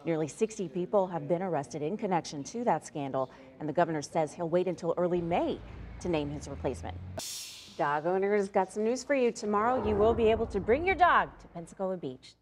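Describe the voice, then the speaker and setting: A woman anchoring a live morning newscast, reading stories briskly and slipping into upbeat, chatty asides with her co-anchor. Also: medium pitch, lively intonation.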